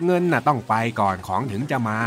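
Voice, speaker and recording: A man's voice: medium pitch, expressive, quick pace, natural voice. A man playing a grumpy old uncle. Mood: impatient. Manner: scolding, blustery, rustic speech. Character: grumpy impatient old uncle, rustic and bossy. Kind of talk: children's radio drama acting. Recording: music playing underneath.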